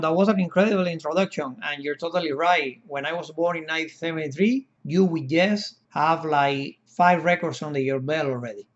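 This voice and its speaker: A man's voice: a little high, muffled recording. A man in his fifties, born in Cuba, hosting a podcast interview in an earnest, effusive and formally worded way. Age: 50s. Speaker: podcast host.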